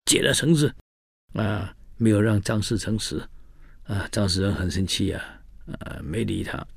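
A man telling history in a casual storytelling style, animated, acting out the quoted dialogue, with many fillers. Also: deep voice, creaky, husky, no room sound, studio quality.

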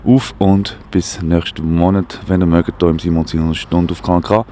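A man's voice: low-pitched, little pitch movement, moderate pace, warm tone, slight background noise. Sarcastic Swiss-German male radio host. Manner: sarcastic, rambling, mock-alarmed. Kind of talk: satirical radio monologue. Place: outdoors, walking.

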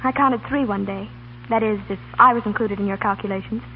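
A woman's voice: medium pitch, steady tone, brisk, close to an everyday voice. Woman acting a proud young lady, clipped and composed, hissy old radio drama. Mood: hurt, cool. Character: hurt, proud young woman, a dutiful daughter. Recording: tinny, noisy 1930s radio recording.

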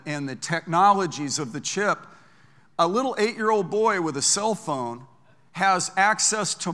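Older man, pastor, emphatic sermon delivery, forceful tone, long church reverb. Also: on the high side. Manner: emphatic, preaching with drawn-out stressed phrases.

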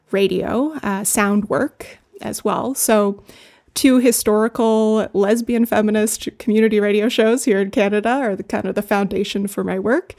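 A woman guest talks through her research in a relaxed, reflective way. Her voice carries a gravelly fry at the ends of phrases. She pauses often with little fillers as she gathers her thoughts. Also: medium pitch. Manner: thoughtful, hesitant, with frequent fillers. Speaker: radio scholar and doctoral candidate, guest. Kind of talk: casual interview talk.

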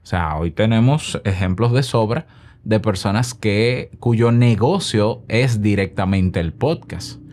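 Male podcast host from the Republic, slightly low voice, chatty solo monologue that pitches his own products. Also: slow pace, darkish tone. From Dominican Republic. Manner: chatty and self-promoting, with rhetorical questions.

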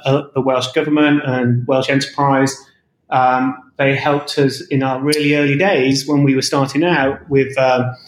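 A man, a bank executive guest, giving measured interview answers about his bank, with frequent fillers. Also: medium pitch. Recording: roomy echo.

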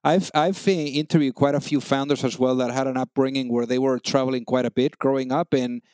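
A man's voice: medium pitch, steady tone, fairly quick, darkish tone, smooth, no echo. A man hosting a business podcast, introducing his guest and asking questions with enthusiasm and frequent restarts. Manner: enthusiastic, repeats words when restarting. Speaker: podcast host. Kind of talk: conversational interview.

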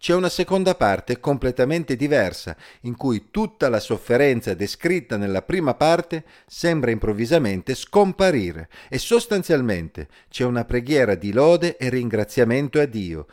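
A man calmly reading scripture and giving a measured Bible commentary as the host of an episode series. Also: medium pitch. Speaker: Bible teacher.

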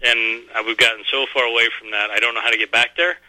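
A man in his forties calls in to a radio talk show. His tone is very bright and forceful, and he speaks earnestly with some halting. The sound is dry and close. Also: mid-range voice, fairly even intonation, dry recording, low-quality recording. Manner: earnest, rambling, a little halting. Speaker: caller. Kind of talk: phone-in call to a radio show.

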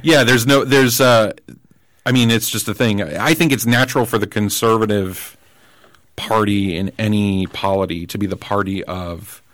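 Low-voiced man, halting and thoughtful. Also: a bit bright, no echo. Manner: thoughtful, halting, many restarts. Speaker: podcast guest. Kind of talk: casual political conversation.

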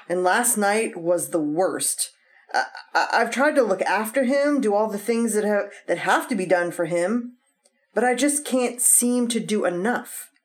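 Casting: an actress as a young wife, anxious and earnest, halting speech, medium pitch, vintage radio drama. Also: female voice, close to an everyday voice. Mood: worried. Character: devoted wife of a heart patient. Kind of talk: 1950s radio drama acting.

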